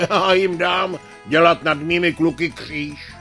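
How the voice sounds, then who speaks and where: A man's voice: fairly high pitch, steady tone, bright, forceful tone, faint music behind. A man voicing a boisterous old father of a football team, bellowing and gloating in a storybook reading.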